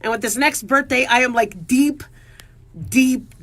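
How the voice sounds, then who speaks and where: This high-pitched, unhurried voice belongs to a woman in her forties hosting a radio show. Her casual talk-radio monologue is chatty, self-mocking and full of jokes.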